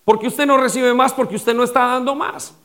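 A male pastor preaching a sermon with rhetorical questions and repetition, swinging between loud stress and quiet dropped lines. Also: very high voice, fairly even intonation, brisk.

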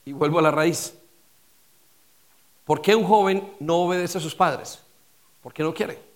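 A male pastor preaching a sermon with rhetorical questions and repetition, swinging between loud stress and quiet dropped lines. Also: fairly high pitch, measured pace.

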